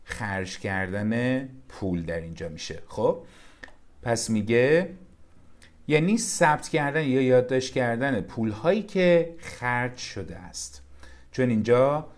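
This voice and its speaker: Persian-accented man teaching English, lively pitch. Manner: explains slowly, reads English phrases out then translates. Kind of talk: vocabulary lesson explaining a textbook.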